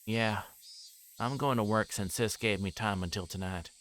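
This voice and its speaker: A low-pitched man reads a visual novel aloud for a livestream. He moves between reciting text and rambling casual commentary, thinking out loud. There is noise behind him, with chirping insect ambience. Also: normal speed.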